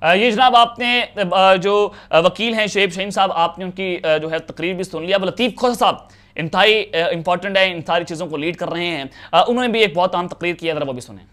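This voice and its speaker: A man's voice: high-pitched, a little fast, a bit bright. A young man from Pakistan giving urgent political news commentary to a lapel mic, with many filler sounds. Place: home office with bookshelves.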